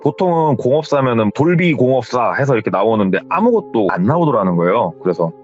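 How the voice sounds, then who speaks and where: A man retelling a scary story in a casual, lively way, full of acted-out quotes, in a slightly dull recording with faint music behind. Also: mid-range voice, quick pace. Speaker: horror story narrator.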